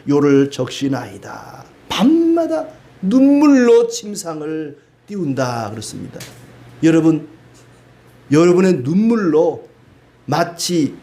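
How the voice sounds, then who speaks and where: A man's voice: a little high, warm tone. Man preaching with conversational asides. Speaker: pastor. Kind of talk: sermon.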